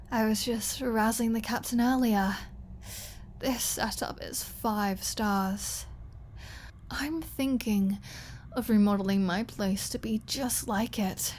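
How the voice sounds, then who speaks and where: Woman playing a slow-talking, sarcastic vampire captive. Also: medium pitch, a little mellow, slight background noise, close to an everyday voice. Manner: teasing, mocking, drawling delivery. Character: captive female vampire, flirty, sarcastic and defiant. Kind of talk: ASMR audio roleplay.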